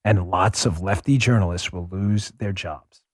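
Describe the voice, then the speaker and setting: A middle-aged man hosting a political talk podcast, speaking emphatically into a studio microphone, calling his listeners folks and dropping his voice low for emphasis. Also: a little slow, husky, no room sound. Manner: emphatic, swings loud and quiet for emphasis; addresses listeners directly as folks. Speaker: podcast host. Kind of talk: political talk show monologue.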